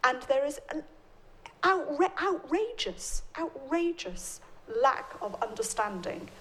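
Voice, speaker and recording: A woman answers an audience question at a public lecture. She talks as an expert, measured and explanatory. She rises in pitch when she stresses a point. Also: sing-song, a bit bright. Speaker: invited expert speaker.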